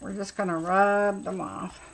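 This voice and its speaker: A woman's voice: mid-range voice, little pitch movement, measured pace, vocal fry, slight background noise. A woman giving a casual live craft tutorial as host, chattily talking herself through each step.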